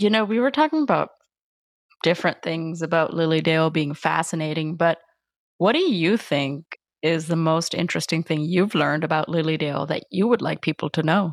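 A woman with a Michigan accent talks at a fairly quick pace and a fairly low pitch. Her pitch variation is ordinary, and the recording is very clean with a silent background. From Michigan, US. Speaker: podcast co-host. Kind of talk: casual interview.

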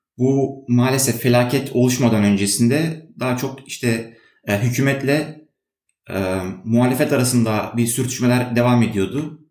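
This man has a medium pitch and fairly even intonation. Room echo is audible around him. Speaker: graduate student and SAP consultant. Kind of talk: interview. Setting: remote call.

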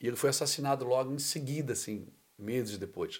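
A man speaks with a Brazilian accent. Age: 50s. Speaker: pastor. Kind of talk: casual chat.

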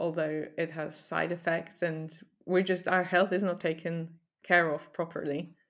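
In a very clean recording with a silent background, a woman with a Polish accent speaks at a fairly slow pace in a monotone, flat intonation. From Poland. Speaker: illustrator and podcaster. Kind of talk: interview.

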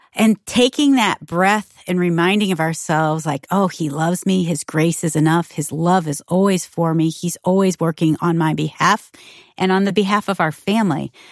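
A woman with a plain, everyday voice, medium pitch and moderate pace, in a dry, close sound with no echo. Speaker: radio host. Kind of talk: casual chat. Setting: studio.

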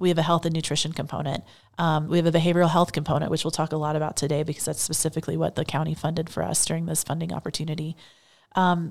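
The speaker has an American accent and talks at a very fast pace with fairly even intonation in a very clean recording with a silent background. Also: woman. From Texas. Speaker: nonprofit executive. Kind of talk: interview. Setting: in person at her organization's building.

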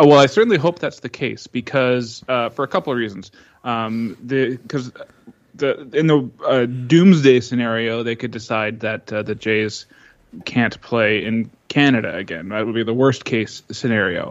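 At a moderate pace, a man of medium pitch speaks in a normal speaking voice with ordinary pitch variation. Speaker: podcast host. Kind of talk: casual chat. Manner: rambling, stumbling over words.

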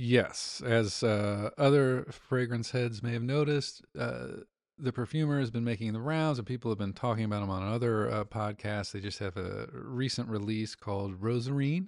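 A man with an ordinary speaking voice and medium pitch talks at a moderate pace, with ordinary pitch variation. He barely pauses, and the background is quiet. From US Midwest (Indianapolis, Indiana). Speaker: podcast co-host, fragrance reviewer. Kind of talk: casual chat.

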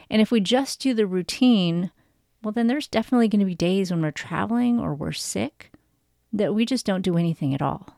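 In an ordinary speaking voice, a woman talks at a fairly quick pace with a medium pitch and lively intonation, recorded very cleanly against a silent background with a dry, close sound and no echo. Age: 40s. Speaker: podcast host and author. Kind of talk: motivational podcast monologue. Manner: upbeat.

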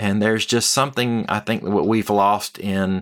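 A man with a Southern US accent speaks in a fairly low pitch and a bright, sharp tone. His intonation is fairly even, on a very clean recording with a silent background. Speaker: healthcare professional. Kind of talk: casual chat.

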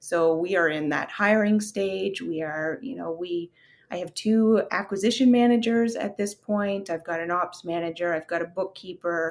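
An ordinary speaking voice, with ordinary pitch variation and a moderate pace, sits on a very clean recording against a silent background. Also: woman, fairly low pitch for a woman. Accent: Canadian. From Canada, military family. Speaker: real estate investor. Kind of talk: interview.

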